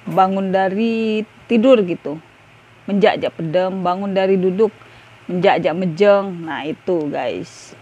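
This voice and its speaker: A woman's voice: on the low side, darkish tone, husky, lo-fi sound. A young woman giving a casual video lesson on words, chatty and full of fillers. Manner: chatty, repeats "ya guys", many fillers. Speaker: language tutor.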